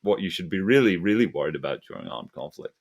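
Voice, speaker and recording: Low-voiced man, halting delivery. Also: lively intonation, slightly rough. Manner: hesitant, halting, rambling delivery. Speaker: host of an investment discussion. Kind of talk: casual panel discussion.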